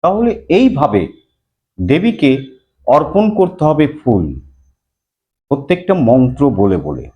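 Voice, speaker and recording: A man's voice: medium pitch, huge pitch swings, slow, long pauses, dark tone. A man explaining a Hindu scripture, reciting verses and chanting mantras, then explaining them plainly. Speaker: religious teacher.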